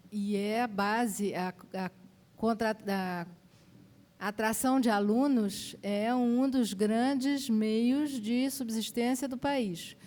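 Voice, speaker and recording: A woman speaking as a panelist in a measured way, pausing and hesitating as she forms her points. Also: mid-range voice, darkish tone. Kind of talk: panel discussion answer.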